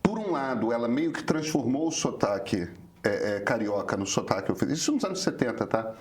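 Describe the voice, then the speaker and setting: A man's voice: medium pitch, fairly quick. Carioca man explaining casually, full of fillers. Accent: carioca (Rio de Janeiro). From Brazil, Rio de Janeiro. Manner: hesitant with many filler restarts, relaxed and opinionated. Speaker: journalist co-host.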